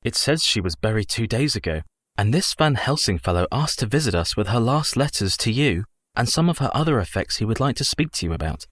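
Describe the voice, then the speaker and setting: An actor in a radio play playing a nervous young husband, a former clerk, who speaks formally and is easily alarmed. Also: male voice, medium pitch, sing-song, a little fast, hardly any pauses, fairly bright tone, dry recording, clean studio sound. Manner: formal speech, prone to alarm.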